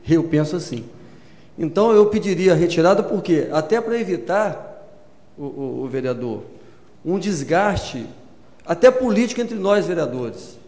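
A man, a city councillor, making a measured, conciliatory remark in a council chamber. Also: fairly high pitch, lively intonation, dark tone. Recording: echoey hall with long reverb.

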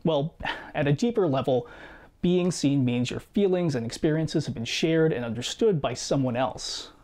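Reflective man narrating a personal video essay. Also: a little high. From United States. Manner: measured, reflective storytelling with quiet asides. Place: small home studio room with guitars and shelves.

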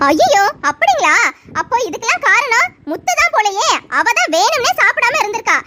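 A woman voicing a calm cartoon doctor who lectures and scolds kindly, with loud noise behind. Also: very high voice, fairly quick. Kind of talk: cartoon voice acting.

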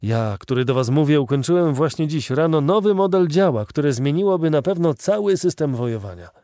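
A man's voice: a little high, lively intonation, brisk, dark tone, no room sound, clean studio sound, pitched above the performer's own voice, natural voice. A man reading the lines of an indignant old male artillery veteran in a fervent, declamatory audiobook voice.

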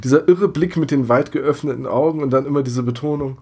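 Casting: verschnupfter männlicher Co-Host, gesprächig, mittlere Stimmlage. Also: male voice, medium pitch, steady tone, quick pace, dark tone, husky. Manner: chatty, laughs, imitates voices. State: slightly congested from a cold. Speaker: podcast co-host. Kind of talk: casual podcast chat.

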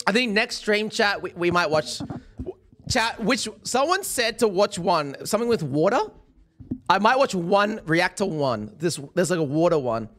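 A young man streaming a game live, excitable and worn-voiced, swinging from mumbles to yells. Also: high-pitched, normal speed. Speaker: gaming streamer. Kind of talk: live-streamed gameplay chat.

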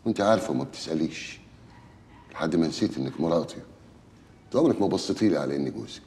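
An actor playing a cynical, womanizing Egyptian husband who taunts his wife and then tries to calm her down. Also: very deep voice, very fast, long reverb tail. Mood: taunting. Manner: taunting, brazen, then placating. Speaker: unfaithful husband. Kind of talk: film drama acting.

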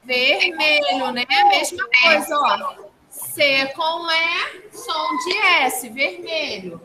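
A woman teaching young children in an online phonics lesson, slow and patient, repeating each answer back. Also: high-pitched, lively intonation. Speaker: primary school teacher. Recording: clear background noise.

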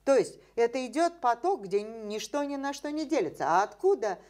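A woman's voice: on the high side, lively intonation, normal speed, darkish tone. An older woman, a scientist guest in an interview, explaining ideas at length with many fillers and rhetorical questions, seated in a dim indoor room.

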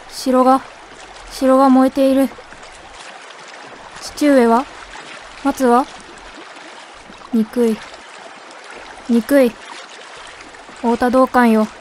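Casting: woman as grieving, vengeful young castle princess, high and narrow-ranged, solemn period diction, water noise behind. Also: a little mellow. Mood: anguished, vengeful. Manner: solemn, archaic theatrical phrasing. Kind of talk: voice drama monologue.

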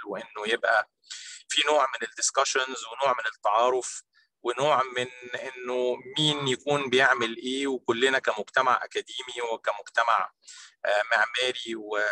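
A man's voice: mid-range voice, bright, forceful tone, poor audio. An Egyptian man chairing an academic session on a video call, speaking formally and mixing English phrases into his Arabic. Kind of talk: formal spoken welcome at an online conference. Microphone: online video call.

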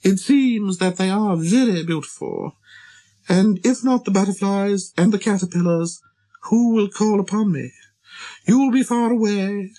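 A man's voice: high-pitched, unhurried, warm tone, pitched above the performer's own voice, poor audio. A man voicing a proud, vain female flower in a storybook, haughty and brave while hiding hurt. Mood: brave resignation.

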